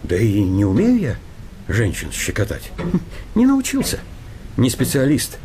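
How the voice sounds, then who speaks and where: Fussy, bookish hypnotist, very expressive. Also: male voice, medium pitch, measured pace, slight background noise. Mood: nervous, evasive. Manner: polite, bookish, nervously hesitant. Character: timid, fussy, bespectacled educated male hypnotist. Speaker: actor in a comedy audio play. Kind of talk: radio comedy acting.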